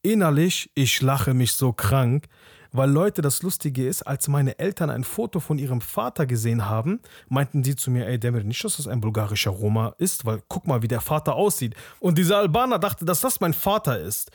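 A young man hosting a podcast, telling a personal story in a casual, animated way, often tagging sentences with "ne?" and dropping into hushed asides. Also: mid-range voice, normal speed, breathy edge, dry recording, studio quality. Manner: animated, acts out the other people's lines; casual, with frequent "ne?" tags. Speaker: podcast host.

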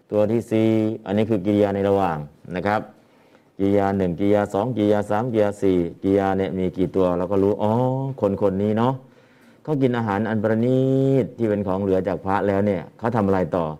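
A man's voice: fairly low pitch, dark tone, smooth. A man teaching Pali translation to a class and explaining patiently, often repeating his phrases.

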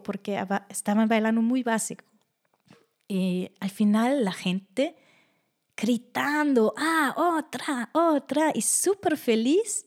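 A young woman from Germany with a German accent, speaking Spanish as a second language, telling stories from her life in a casual interview and acting out the people she quotes. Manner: animated, acts out quoted voices with high pitch jumps. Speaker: guest.

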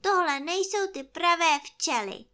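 Storybook: naive honey-loving teddy bear, put on by a woman, squeaky, lively, earnestly silly. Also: heavily acted. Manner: high, sing-song, earnestly silly. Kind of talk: storybook reading.

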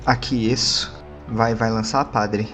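A man's voice: on the low side, level tone, takes it slowly, fairly bright tone, faint music behind. A man chatting casually as a player in a tabletop role-playing session.

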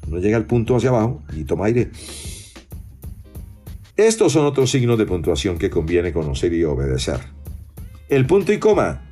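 Deep-ish guy teaching how to read aloud, voice bounces up and down a lot, faint music under it. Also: normal speed, pauses often. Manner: expressive, demonstrates intonation with his voice. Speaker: voice-over teacher. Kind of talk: instructional podcast lesson on reading aloud.

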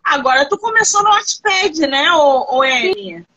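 A woman author hosts a live-stream interview, asking her guest questions in an animated, friendly way and telling stories to the viewers. Her voice is high, bright and forceful. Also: a little slow, highs cut off. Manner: animated, reassuring, storytelling.

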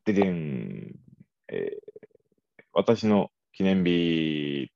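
A low-voiced man with a Kansai accent co-hosts a casual podcast, teasing and playful. His pitch rises and falls a lot as he talks. The sound is dry and a little dull. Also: very animated, drawn-out words, gravelly, mellow, no room sound. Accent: Kansai Japanese. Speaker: marketing radio producer, co-host.

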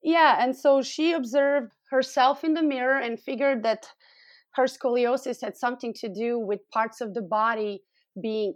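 A woman's voice: mid-range voice, no room sound. Serbian-accented woman explaining, very dry sound. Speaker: guest expert, scoliosis clinic founder and physiotherapist. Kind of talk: explanatory interview talk.

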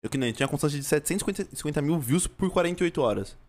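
A man's voice: a little high, expressive, very fast, darkish tone. A young man with a Brazilian Portuguese accent chatting casually as a podcaster, slangy, often repeating phrases and restarting. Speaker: podcaster and streamer.

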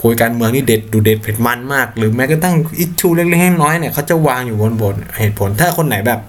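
A man's voice: mid-range voice, lively intonation, quick pace. Young male podcast host, casual solo talk, blunt and slangy delivery.

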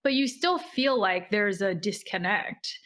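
A woman's voice: mid-range voice, animated, a little slow, a bit bright. A woman in her thirties with young children, speaking candidly and earnestly as a guest in a conversation. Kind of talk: casual conversation.

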